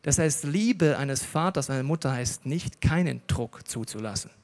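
A man's voice: medium pitch, moderate pace. A man preaching a sermon to a live audience, telling stories and joking with the listeners. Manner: lively storytelling, jokes with the audience. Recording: long reverb of a large hall.

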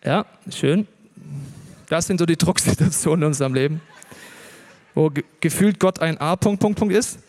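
High-voiced preacher in a reverberant hall. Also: male voice, normal speed, long pauses. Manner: lively storytelling, jokes with the audience. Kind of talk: sermon. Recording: long reverb of a large hall.

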